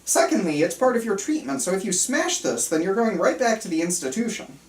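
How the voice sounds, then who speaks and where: Woman reading as earnest doctor, animated, in echoey room. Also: medium pitch, a little fast. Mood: calm, clinical. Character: earnest male psychiatrist doctor, concerned and controlling. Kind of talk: table reading of a film script. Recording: roomy, distant mic, faint room noise.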